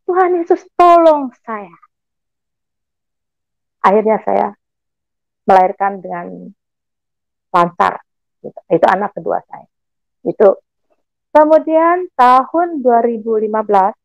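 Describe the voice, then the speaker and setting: Older woman in her sixties, a guest sharing her testimony. Gravelly, lively storyteller who plays out past dialogue. Dry, close recording. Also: mid-range voice, no room sound. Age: 60s. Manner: animated, acts out the dialogue she recalls. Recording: dull lo-fi recording with faint music.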